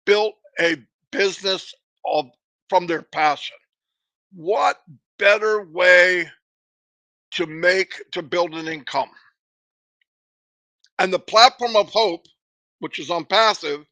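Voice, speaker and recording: A man hosts a motivational livestream, giving an emphatic, repetitive, preachy pep talk while dealing with a runny nose and a cough. His voice sits high, sounding pushed and bright, with no echo.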